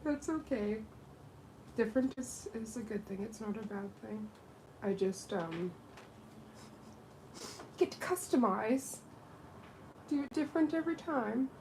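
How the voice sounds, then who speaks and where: A woman's voice: on the high side, lively intonation, unhurried, pauses often, darkish tone, slight background noise, low-quality recording. A woman with a Canadian accent, chatting casually and bubbly while doing a client's nails. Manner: chatty, bubbly, laughs often. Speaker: nail technician. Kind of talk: casual chat while working.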